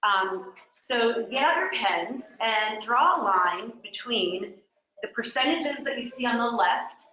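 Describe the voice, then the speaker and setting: A woman's voice: a little high, sharp tone, roomy sound, muffled recording. A woman from New York teaching a live real estate workshop, chatty and quizzing her audience. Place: training room with a small audience.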